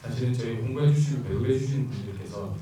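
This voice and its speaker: A man's voice: mid-range voice, fast, very noisy. A man, a filmmaker guest explaining at a screening Q&A, with lots of fillers. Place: cinema auditorium. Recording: echoey hall, distant mic.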